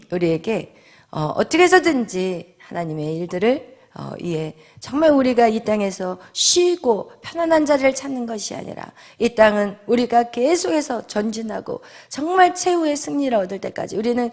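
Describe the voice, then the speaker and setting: A woman pastor giving a sermon, reading scripture aloud in a loud, formal voice and preaching in a conversational tone. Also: on the high side.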